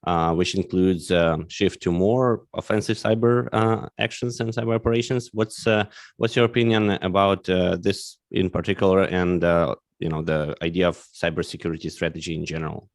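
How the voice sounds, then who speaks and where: Deep, creaky-voiced man interviewing. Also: steady tone, normal speed, hardly any pauses, dry recording, clean studio sound. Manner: hesitant, many ums and uhs. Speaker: podcast host, interviewer. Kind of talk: casual interview questioning.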